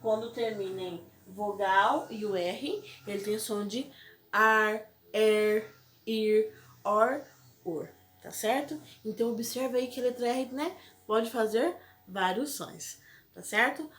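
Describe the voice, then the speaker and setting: Brazilian woman, primary teacher, slow patient delivery, echoey room. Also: on the high side. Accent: Brazilian Portuguese. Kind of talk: recorded classroom lesson.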